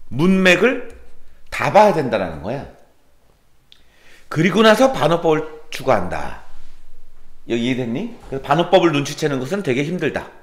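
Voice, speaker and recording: A man teaching literature in a classroom, lecturing animatedly and firing questions at his students. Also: on the high side. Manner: animated, questioning students, quoting lines in a put-on voice. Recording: roomy classroom echo.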